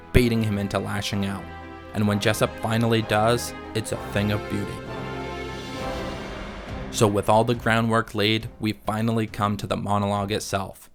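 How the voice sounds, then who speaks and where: A man narrating a scripted video essay in a measured, analytical way. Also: lowish voice.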